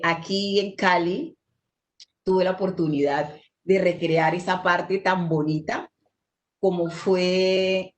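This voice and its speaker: Middle-aged woman from chocó, talks real slow, lowish voice, lots of "eh" pauses, storytelling. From Chocó, Colombia. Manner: warm, unhurried storytelling with many "eh" pauses. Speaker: dancer and teacher. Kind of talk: panel talk, personal memories.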